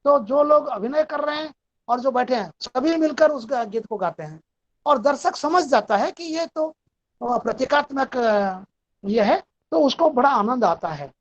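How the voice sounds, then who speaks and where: A woman's voice: high-pitched, lively intonation, measured pace, muffled recording. A woman lecturer giving a methodical, explanatory talk in a recorded online class.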